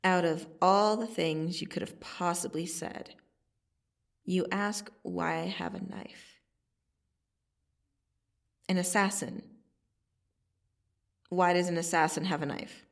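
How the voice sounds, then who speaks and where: Casting: woman to voice female vampire assassin, ASMR audio drama. Gravelly fry, sardonic and casually threatening, slightly off-mic. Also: lowish voice, fairly even intonation, recorded from a distance. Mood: amused, condescending. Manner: slow, casual, sardonic delivery with long pauses. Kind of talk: ASMR roleplay monologue to the listener.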